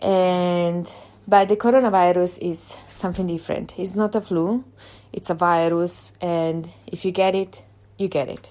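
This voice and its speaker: Over a silent background in a very clean recording, a woman with an Italian accent speaks fairly slowly at a medium pitch, her tone dark and mellow. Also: fairly even intonation. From Italy. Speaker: podcaster. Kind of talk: casual monologue podcast.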